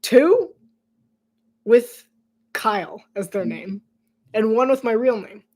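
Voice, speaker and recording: A man giving casual live play-by-play commentary, chatty and rambling, breaking into laughter and dropping to soft whispered asides between plays. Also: sits high, lively intonation, slow pace.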